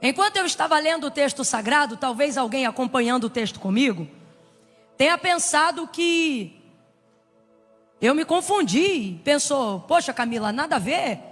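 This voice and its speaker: A woman's voice: sits high, animated, normal speed, soft background music. Impassioned woman pastor praying aloud. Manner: impassioned, repetitive pleading prayer, sometimes shouting. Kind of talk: sermon with fervent prayer. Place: church service before a congregation.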